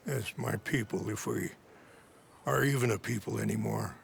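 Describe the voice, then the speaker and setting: An actor playing a grave, measured, dignified tribal man in a video game cutscene. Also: lowish voice, fairly even intonation, gravelly, a little hiss or hum.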